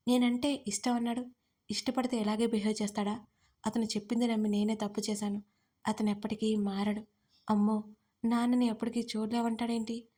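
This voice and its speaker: Tearful young bride for a storybook, read by a woman narrator, pleading but defiant, high pitch. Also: flat delivery, brisk, warm tone, lightly acted.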